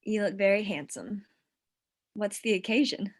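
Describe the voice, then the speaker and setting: A woman's voice: medium pitch, moderate pace, close to an everyday voice. Woman playing teasing young mountain sweetheart. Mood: teasing, curious. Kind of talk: screenplay table read acting.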